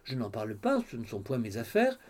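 A man reading aloud gives voice to a mischievous young girl with a teasing tongue. The voice sits lower and softer than his narration, mellow and quiet. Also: wildly swooping pitch, brisk. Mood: sly. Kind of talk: audiobook character reading.

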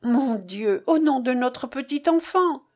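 A woman voicing a young kept woman in a storybook reading, shrill and emotional. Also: expressive, takes it slowly, darkish tone, exaggerated voice. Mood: pleading. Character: young kept woman, pleading then spiteful.

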